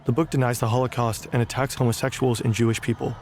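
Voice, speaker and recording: A man giving measured, scripted documentary narration. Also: medium pitch, level tone, darkish tone, a little hiss or hum.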